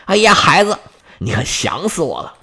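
Brief: worried fatherly god, husky, stammering and pleading, as a male storyteller puts him on. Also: high voice, very animated, normal speed, pushed and bright, full character voice. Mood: doting.

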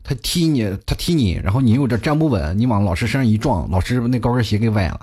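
A man's voice: mid-range voice, expressive, quick pace, darkish tone, husky. A man telling funny stories in a chatty comic monologue as a talk show host, often laughing at his own jokes.

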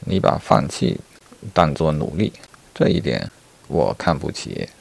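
A man's voice: rumbling low, sing-song, a little slow, gravelly, slightly rough, full character voice. A man telling a story and voicing a blunt, mocking male wolf who scorns the weak.

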